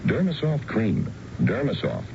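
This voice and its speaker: A man's voice: medium pitch, huge pitch swings, measured pace, vocal fry. A man reading a scripted radio commercial as an announcer. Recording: muffled, noisy old radio broadcast.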